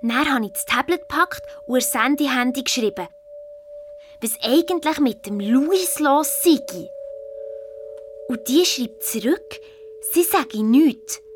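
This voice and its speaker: Hot-tempered Swiss German girl, high voice, lively and indignant, audio drama, soft music behind. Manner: lively, indignant, quick to flare up. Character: headstrong girl, about twelve, hot-tempered. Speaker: narrator. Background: faint background music.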